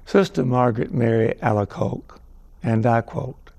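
A man introduces a religious TV show and reads a devotional passage in a solemn, deliberate way. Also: medium pitch, lively intonation, creaky, a little mellow. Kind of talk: devotional reading.

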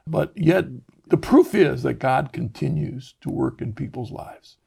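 A man's voice: mid-range voice, expressive, unhurried, creaky, mellow, husky. A man hosting a talk show, chatting loosely and correcting himself as he goes. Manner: rambling, self-correcting. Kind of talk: conversational interview.

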